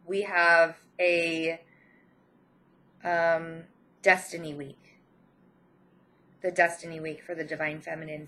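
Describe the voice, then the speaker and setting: A woman with a head cold gives an informal spiritual card reading to her viewers as channel host, speaking gently and encouragingly with hesitant pauses mid-phrase. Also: fairly low pitch, low-quality recording.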